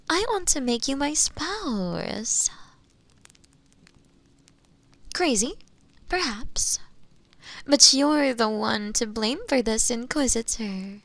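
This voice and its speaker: A woman playing an imprisoned witch in an audio roleplay, seductive, teasing and obsessive, sometimes hushed as she speaks to the listener. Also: fairly high pitch, gravelly, exaggerated voice. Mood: playful, obsessive. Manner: slow, teasing, hushed at times, with pet names. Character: imprisoned witch, seductive, obsessive yandere, bitter toward inquisitors.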